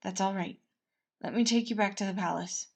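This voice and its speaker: A woman voicing an earnest, protective male royal advisor in a measured, formal way for a storybook tale. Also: medium pitch, vocal fry, husky. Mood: protective, gentle.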